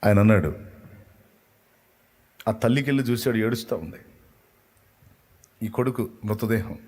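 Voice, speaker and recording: A man's voice: fairly low pitch, unhurried, darkish tone. A man preaching a sermon, retelling a story with passion, asking the listeners rhetorical questions and repeating key phrases for emphasis.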